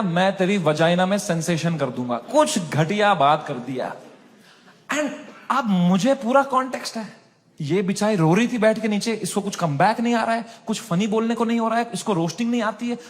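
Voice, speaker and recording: A male stand-up comedian tells a story in an animated, mocking way, swinging between hushed lines and shouted asides. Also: high-pitched, fairly quick.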